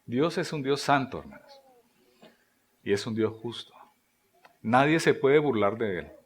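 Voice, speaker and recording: A man preaching a sermon, asking rhetorical questions and voicing quoted prayers, his delivery swinging between loud emphasis and near-whispers. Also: medium pitch, lively intonation, a little slow, breathy edge. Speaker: pastor.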